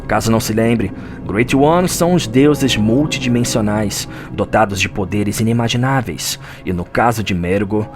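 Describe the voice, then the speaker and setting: A man with a Brazilian accent voicing a lore scholar who narrates a dark gothic nightmare in a grave, theatrical audio drama style. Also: medium pitch, lightly acted. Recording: music under the voice. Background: music.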